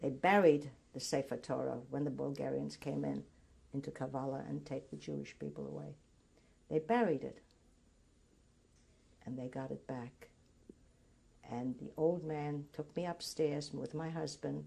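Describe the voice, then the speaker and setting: An older woman from Greece, a native Greek speaker, recalling her memories in an oral history interview, halting and restarting as she remembers. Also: deep voice, steady tone, gravelly, darkish tone, husky.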